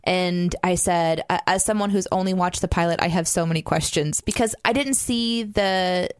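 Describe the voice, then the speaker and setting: Giggly high-voiced woman co-host. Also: normal speed, clean tone, no echo, clean studio sound. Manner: playful, self-deprecating, giggly. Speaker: podcast co-host, writer. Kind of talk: casual podcast chat.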